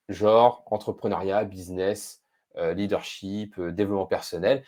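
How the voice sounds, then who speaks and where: Low, mellow-voiced man explaining calmly. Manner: thoughtful, measured, frequent hesitations. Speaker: podcast guest, speed-reading expert. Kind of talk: casual interview explaining.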